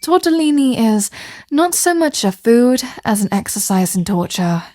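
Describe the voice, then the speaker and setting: A woman's voice: fairly high pitch, very animated, moderate pace, dark tone, dry recording. Woman playing a flirty mafia boss, close and dry. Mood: playful, teasing.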